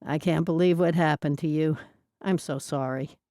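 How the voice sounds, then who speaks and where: A woman voicing a gentle, earnest Amish young man in an audiobook, in a soft-spoken manner. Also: sits low, steady tone, moderate pace, no room sound, studio quality.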